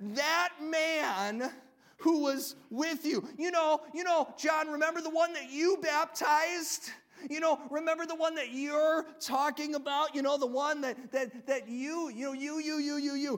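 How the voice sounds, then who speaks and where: In a put-on character voice, a man whines at an extremely high pitch and a very slow pace, his tone whiny throughout. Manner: envious, whiny.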